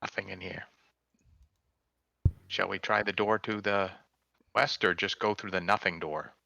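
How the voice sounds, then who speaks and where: Male player, cautious and casual, bright clear voice, dry. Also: on the low side, steady tone, moderate pace, no room sound, highs cut off. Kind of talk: casual tabletop play.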